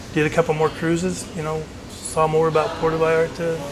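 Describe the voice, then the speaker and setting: Over noticeable background noise, a man with an American accent talks at a fairly quick pace in a fairly high pitch, his intonation monotone and flat. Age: 60s. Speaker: retired engineer and business owner, expat. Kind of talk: casual interview chat. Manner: halting, repeats words.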